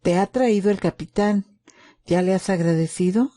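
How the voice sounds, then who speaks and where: A woman voicing a calm, protective male soldier in a wartime story, instructing and reassuring. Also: mid-range voice, normal speed, no echo, lightly acted. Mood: serious. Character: calm, protective German soldier, adult man.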